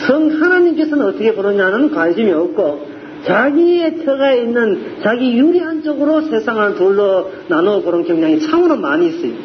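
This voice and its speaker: A man's voice: very high voice, normal speed, lo-fi sound, slight background noise. A man with a Gyeongsang accent preaching a sermon, acting out the voices of the people in his examples. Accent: Gyeongsang Korean. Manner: animated, acts out voices of scoffers and soldiers. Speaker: pastor.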